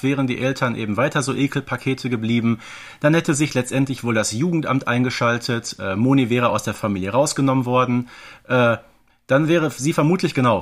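A man co-hosting a casual podcast, speaking in an emphatic, conversational way. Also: mid-range voice. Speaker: podcast co-host.

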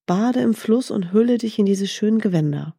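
A woman voicing a small, clever talking gazelle in a storybook, speaking softly and persuasively. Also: medium pitch, expressive, moderate pace, creaky, breathy edge, no room sound, studio quality. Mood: courtly. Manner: soft, gently persuasive.

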